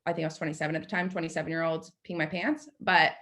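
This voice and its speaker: A woman in her late twenties, a podcast guest, telling a story in a chatty, animated way and filling her speech with "like.". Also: deep voice, racing. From United States. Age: 20s. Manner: chatty, animated, lots of "like" fillers. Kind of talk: casual storytelling.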